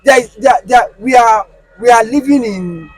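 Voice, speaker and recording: A Nigerian man with a high-pitched voice talks as an interview guest. He is animated and emphatic and throws out rhetorical questions. His accent is clearly Nigerian. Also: normal speed, no room sound, soft background music. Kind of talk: casual conversation.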